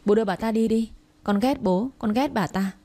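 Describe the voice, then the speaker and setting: A woman voicing a grieving young girl who shouts and sobs at the adults around her. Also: on the high side, normal speed, voice pushed up. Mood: defiant. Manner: pleading, crying outbursts.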